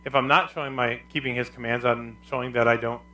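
A male pastor preaching a sermon with a loud, carrying voice and emphatic, repetitive phrasing. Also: medium pitch, steady tone, fast, poor audio.

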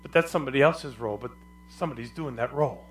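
A male pastor preaching a sermon with a loud, carrying voice and emphatic, repetitive phrasing. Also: mid-range voice, fast.

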